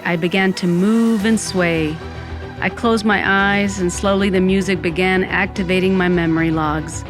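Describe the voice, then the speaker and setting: A woman's voice: medium pitch, natural voice. A woman playing a wry undead Latina who narrates her own story with dramatic flair in a comic audio drama. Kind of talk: first-person comic audio fiction narration. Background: music.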